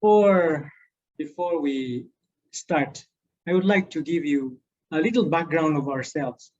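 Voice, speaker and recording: A man's voice: fairly high pitch, darkish tone. Filipino man on a lo-fi video call. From Philippines. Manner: halting, many fillers and restarts. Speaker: guest speaker, doctor. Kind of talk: testimony talk on a video call. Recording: dull lo-fi call audio.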